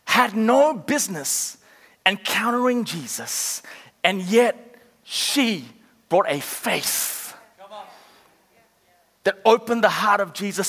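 Give me an impassioned male pastor preaching, swooping lively pitch, in a reverberant church auditorium. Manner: impassioned preaching with shouted peaks and call-and-response. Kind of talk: sermon.

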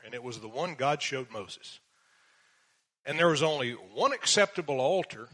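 A man teaching the Bible verse by verse, reading passages slowly and then explaining them with dry sarcastic asides. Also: medium pitch, fairly bright tone, slightly rough.

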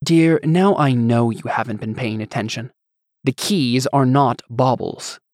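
A man's voice: medium pitch, measured pace, a little mellow, no room sound, studio quality, close to an everyday voice. A man voicing a sultry, scheming goddess in an audiobook, with a coaxing, condescending, theatrical manner. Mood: smug. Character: sultry, scheming, languid goddess, vain wife. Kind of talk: audiobook character acting.

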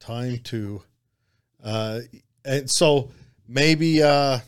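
A man hosting a casual chat, hesitant and halting, reading out viewer comments. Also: mid-range voice, smooth. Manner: hesitant, many fillers and restarts. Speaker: host.

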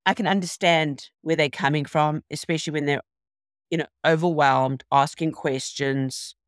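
Woman, South African accent, low register, reflective conversational interviewee, dry recording. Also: dry recording. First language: Afrikaans. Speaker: interview guest, nurse.

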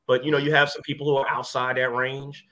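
A man's voice: mid-range voice, flat delivery, fast, pushed and bright. A man in his fifties, a wellness business owner talking casually and plainly, often asking "you know what I mean". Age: 50s. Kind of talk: casual podcast chat.

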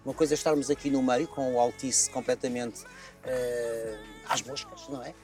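A man's voice: mid-range voice, fairly even intonation, moderate pace, darkish tone, soft background music. A man with a European Portuguese accent hosting an interview, chatty and prompting, often finishing his guest's sentences. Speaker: interviewer host. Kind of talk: casual interview talk. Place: large empty arena.

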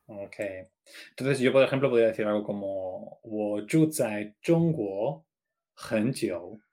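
A man's voice: on the low side, slow, warm tone. A man co-hosting a Chinese lesson podcast, asking questions and checking what he has understood in casual chat. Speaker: co-host of a Chinese learning podcast.

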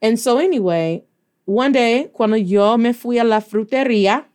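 A woman's voice: fairly high pitch, moderate pace, smooth. Chatty Black Midwestern woman teaching. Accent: Black Midwestern American. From Detroit, Michigan. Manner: chatty, animated, addresses listeners as y'all. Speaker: Spanish teacher and podcast host. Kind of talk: casual storytelling lesson mixing English and Spanish.

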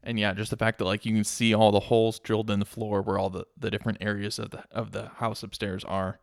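Male podcast co-host, mid-pitched, measured and hesitant, dry close sound. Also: little pitch movement, vocal fry, no room sound. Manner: halting, thoughtful, many fillers. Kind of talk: casual movie recap chat.

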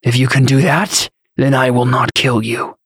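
A man's voice: medium pitch, fairly even intonation, moderate pace, a bit bright, slightly rough, dry recording, studio quality. Man voicing a grim, threatening holy knight. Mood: deadly menace. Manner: threatening, intense. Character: grim, righteous male holy knight seeking vengeance. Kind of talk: audiobook character acting.

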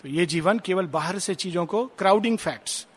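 Man, 60s, high voice, reflective spiritual speaker, long reverb. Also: fairly bright tone, breathy edge. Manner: reflective, drawn-out reading of English verse. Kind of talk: spiritual discourse, Hindi mixed with English.

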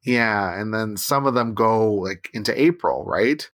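A man in his thirties from Canada talks through a casual co-hosted chat. His voice sits low but sounds bright and forward. He rambles, restarts his sentences and tags many thoughts with "right?". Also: unhurried.

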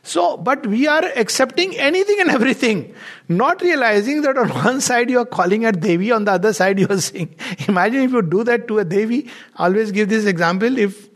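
A man with an Indian accent speaks as a spiritual teacher in an informal discourse. His voice sits quite high for a man and has a marked gravelly creak. He is emphatic and digressive, often repeating a phrase to drive it home. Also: animated, a little fast. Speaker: spiritual teacher giving a talk. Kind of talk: informal discourse with read-out quotations and commentary.

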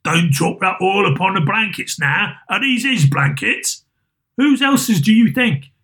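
A man voicing a coarse, defiant old charwoman with a brisk, sharp tongue. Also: high-pitched, expressive, voice pushed up, full character voice.

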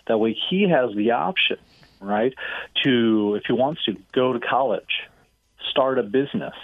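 A man's voice: mid-range voice, measured pace, no echo. A middle-aged man, a real estate investor, answering interview questions energetically and often tossing in "right?". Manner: energetic, fluent, fond of "right?" and "like". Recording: tinny phone line, dry.

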